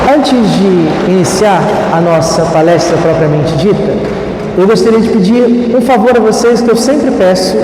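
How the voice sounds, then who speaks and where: Noticeable background noise and audible room echo surround the speaker. He is a man with ordinary pitch variation. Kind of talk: lecture. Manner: fast; soft-spoken.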